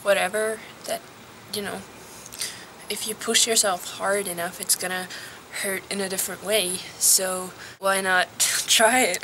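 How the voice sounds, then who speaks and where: A hesitant teenage girl talks through a casual vlog outside, her voice at an ordinary middle pitch. She speaks gently, trailing off and slipping into whispers now and then. A faint hum of outdoor ambience sits behind her. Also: rough recording. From Norway. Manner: soft, hesitant, drops to a whisper at times. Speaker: vlogger.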